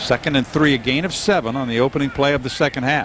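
Over noticeable background noise, a man speaks at a fairly quick pace with a medium pitch and ordinary pitch variation. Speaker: play-by-play announcer. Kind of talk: live commentary. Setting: broadcast booth at stadium.

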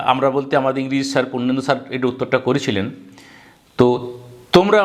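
The speaker has a Bengali accent. The pitch varies in an ordinary way. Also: man. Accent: Bengali-accented English pronunciation. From West Bengal, rural area. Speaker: teacher and exam tutor. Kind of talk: tutorial. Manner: halting.

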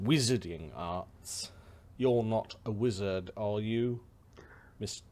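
A man speaks in a put-on character voice with a fairly low pitch. His pace is very slow. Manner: dry, reflective.

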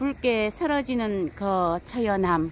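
A woman speaks at a very slow pace with lively intonation, recorded very cleanly against a silent background. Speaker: local dialect show host. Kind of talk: poetry reading.

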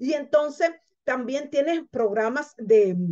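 A woman's dark, mellow tone at a very slow pace, with ordinary pitch variation and a quiet background. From Cuba. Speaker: direct sales representative. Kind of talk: sales pitch. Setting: group call. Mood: enthusiastic, persuasive. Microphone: video call.

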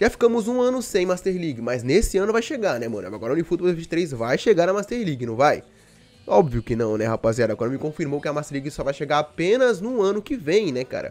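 A high-pitched man talks at a very fast pace, his pitch swinging very widely. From Brazil. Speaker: gaming YouTuber. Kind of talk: casual vlog commentary. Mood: complaining, opinionated. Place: home room. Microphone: studio mic.

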